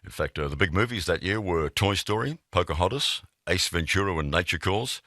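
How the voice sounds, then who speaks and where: Australian male radio presenter, extremely deep pitch, casual delivery, close dry studio sound. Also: expressive, fairly quick, bright, forceful tone, no echo. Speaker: radio host. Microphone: close studio microphone.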